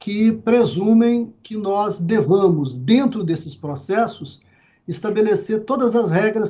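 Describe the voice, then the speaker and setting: A man's dark, mellow voice at a fairly slow pace, with ordinary pitch variation. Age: 60s. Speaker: professor. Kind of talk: interview. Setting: video call from home library. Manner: formal.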